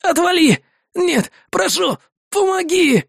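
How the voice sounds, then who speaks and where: A man's voice: sits high, animated, moderate pace, darkish tone, husky, dry recording, studio quality, pitched above the performer's own voice. A man reading an audiobook who voices a panicked, wounded male soldier trapped in wreckage, crying, shrieking and begging in pain. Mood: desperate pleading. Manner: shrieking, pleading, sobbing. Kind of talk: audiobook character voice.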